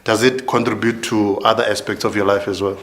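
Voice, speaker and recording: A man's voice: on the low side, flat delivery, brisk, fairly bright tone. A man hosting a casual interview talk show.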